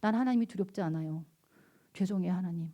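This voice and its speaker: 청소년부 학생들에게 설교하는 중년 여성 목사로, 기도와 아이들 말투를 흉내 내며 생동감 있게 말한다. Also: female voice, fairly low pitch, fast talker. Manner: animated, acts out prayers and kids' voices. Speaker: youth pastor. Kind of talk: sermon to teenagers.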